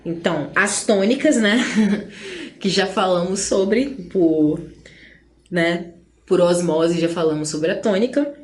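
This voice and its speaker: A Brazilian woman teacher giving an online grammar lesson in a chatty way, often tagging lines with "né?" and slowing down to stress syllables. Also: lowish voice. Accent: Brazilian Portuguese. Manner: chatty, frequent "né?" and "gente" asides. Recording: roomy echo.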